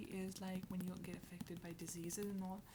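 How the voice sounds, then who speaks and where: Someone whispers at a fairly quick pace. The speech carries a Pakistani accent. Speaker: medical student. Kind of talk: ASMR whisper ramble. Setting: home room with traffic noise. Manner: whispered.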